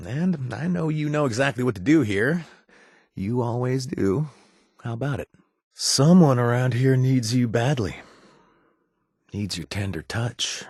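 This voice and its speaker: A sly, affectionate wasteland rogue from a video game. His husky voice swings widely in pitch as he coaxes and teases in a hesitant, conversational drawl. The sound is dry and close. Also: no echo, heavily acted. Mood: eager, coaxing, then flirtatious, coaxing. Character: roguish flirtatious male wasteland companion, sly and affectionate. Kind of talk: video game companion dialogue.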